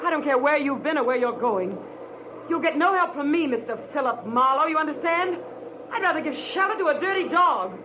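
A bitter young widow, high-voiced and accusing, full of hate. It is intense vintage radio melodrama on a dull recording with clear background noise. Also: female voice, animated, fairly quick. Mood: hateful. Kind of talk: 1940s radio melodrama acting. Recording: noisy, dull old-time radio recording.

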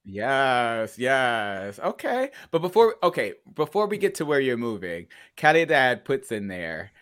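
A man's voice: mid-range voice, very animated, unhurried, a bit bright, dry recording, studio quality. A man co-hosting a podcast in casual, cheeky banter with a playful, campy manner. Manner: playful, campy, cheeky, calls co-host darling and girl. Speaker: podcast co-host.

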